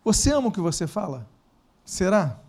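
Animated preacher man, high voice. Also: slightly rough. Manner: animated, with loud bursts and slowed emphasis; asks the congregation questions. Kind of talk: sermon.

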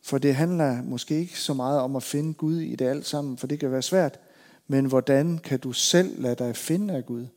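A man, a pastor preaching a sermon, building emphatic repeated lines and then telling a story in a relaxed way. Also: mid-range voice.

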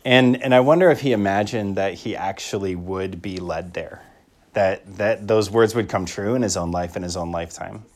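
A man's voice: low voice, moderate pace, a little mellow. This is a man in the role of a Catholic priest, delivering liturgical reading and preaching. His manner is reflective. He often repeats a phrase to give it emphasis. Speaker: Catholic priest giving a homily. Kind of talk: liturgical Gospel reading and homily.

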